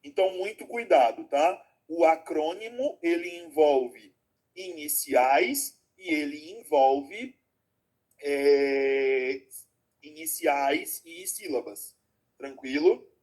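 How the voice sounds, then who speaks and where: A man's voice: fairly high pitch, takes it slowly, a little mellow. A man teaching an online class, explaining step by step, checking in with students often and calling them affectionate names. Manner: explains with frequent check-in questions; affectionate, calls students "my loves". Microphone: video call.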